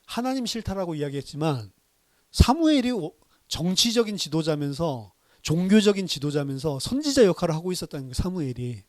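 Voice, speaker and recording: High-voiced man preaching a sermon. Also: brisk, dry recording, studio quality. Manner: animated, asks the congregation rhetorical questions; conversational, plain-spoken preaching. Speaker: pastor.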